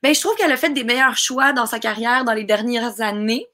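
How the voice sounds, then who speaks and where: A young adult woman with a Québécois French accent, a guest chatting casually and animatedly on a podcast with many quick asides. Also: a little high, sharp tone. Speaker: guest, voice actress.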